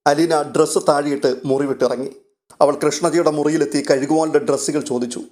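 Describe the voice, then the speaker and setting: A man narrating a story recap of a TV serial in a steady, dramatic storytelling way. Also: a little high, a little fast.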